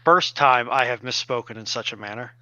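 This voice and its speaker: Male co-host, bright forceful voice, measured formal wording, dry but slightly dull voice-chat audio. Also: mid-range voice, clean tone, no echo. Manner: measured, wordy, formal phrasing. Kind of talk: casual live chat.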